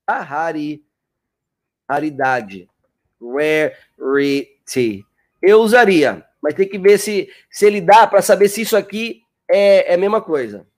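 Teaching English over a live stream, a man with a high, expressive voice and a darkish tone chats and coaxes along. He repeats words slowly for pronunciation practice and names viewers as he goes.

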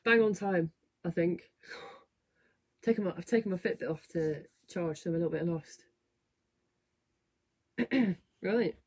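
A woman hosting a fitness studio livestream, chatting casually to viewers in a slightly croaky, rough voice, rambling with lots of fillers. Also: lowish voice, a little slow, pauses often, darkish tone. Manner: chatty, rambling, self-deprecating, many fillers. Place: home, at a desk. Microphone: webcam or computer mic at a desk.

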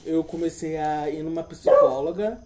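A man's voice: on the high side, normal speed, heavy background noise. A young man chatting casually with friends, telling stories and laughing often. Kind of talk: casual chat among friends.

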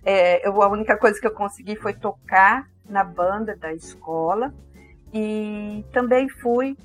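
An older woman with a caipira accent from interior São Paulo speaks reflectively about herself in conversation, pausing thoughtfully to search for her words. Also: mid-range voice, faint music behind. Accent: caipira accent of interior São Paulo, with a strong R. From interior of São Paulo state, Brazil. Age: 50s or older. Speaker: interview guest.

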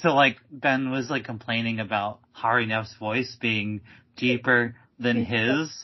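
A man's voice: mid-range voice, steady tone, unhurried. A man co-hosting a podcast in casual chat, hesitant and full of likes and restarts. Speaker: podcast co-host. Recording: dull lo-fi podcast audio.

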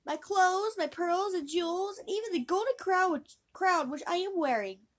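A woman voicing a spoiled young princess in a fairy tale read-aloud, shrill and exclaiming. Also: expressive, normal speed. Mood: eager.

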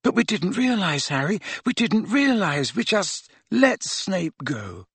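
A man voicing a distraught teenage witch who blames herself in a high-pitched, muffled, halting whisper. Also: sing-song, fairly bright tone, breathy edge, no echo, heavily acted. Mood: ashamed, distraught. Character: distraught teenage witch, ashamed and self-blaming.

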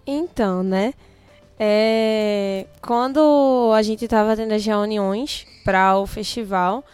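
A young woman guest in a casual interview, telling her story in an animated way and quoting her own thoughts. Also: medium pitch, takes it slowly, clear, resonant tone, no room sound, faint music behind. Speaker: guest, youth delegate.

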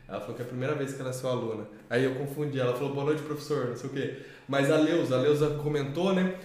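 A man's voice: mid-range voice, rapid-fire, darkish tone. A man co-hosting a talk on teaching children to read, rambling with many restarts and tag questions. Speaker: co-host of a literacy channel. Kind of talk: casual explanatory talk. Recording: echoey room.

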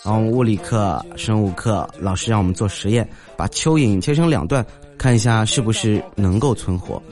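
A young man in his twenties who tells comic stories in a monologue. He talks in an animated way and often jumps into high character voices. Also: normal speed, soft background music. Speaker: comedic storyteller.

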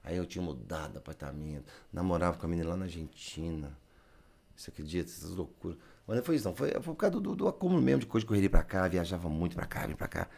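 A man's voice: low-pitched, big pitch swings, very fast, gravelly, a little mellow. A Brazilian man, telling a story in casual chat and acting out the lines he quotes.

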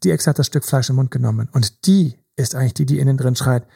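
A male relationship coach speaks in an emphatic, repetitive way, piling up vivid images in casual conversation. His voice is gravelly and husky with a dark, mellow tone, pitched a bit above most men. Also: fast. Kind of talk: casual podcast talk.

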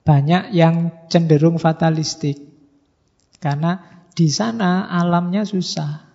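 A man's voice: on the high side, fairly even intonation, measured pace, gravelly, warm tone. A man giving a classroom lecture in a conversational way, often asking rhetorical questions and acting out his students. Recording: dull, echoey hall recording.

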